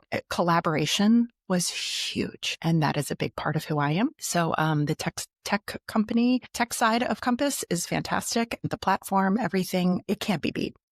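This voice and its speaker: Low-voiced middle-aged woman, dry sound. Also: moderate pace, few pauses, no room sound. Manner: thoughtful, self-correcting, upbeat. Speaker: real estate agent, guest. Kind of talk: casual interview answers.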